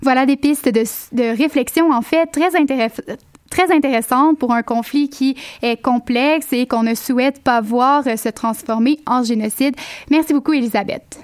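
High-voiced woman radio host. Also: normal speed, no echo, clean studio sound. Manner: curious, prompting questions. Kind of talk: radio magazine interview.

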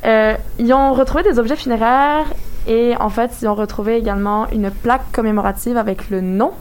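A young woman with a Québécois accent hosts a light news segment in casual radio chat, chatty and quick to laugh, with hesitant fillers. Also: a little high, steady tone, smooth.

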